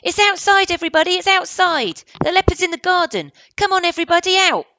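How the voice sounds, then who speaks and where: A woman playing a breathless excited boy. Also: a little high, normal speed, vocal fry, no echo, voice pushed up, exaggerated voice. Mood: excited shouting. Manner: breathless, eager shouting. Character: excited young boy hunting a leopard.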